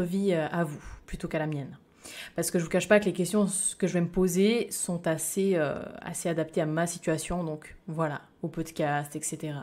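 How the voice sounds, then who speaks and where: The recording is very clean and the background is silent. A woman talks at a fairly slow pace. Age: 20s. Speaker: podcast host. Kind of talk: casual solo podcast monologue. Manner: animated.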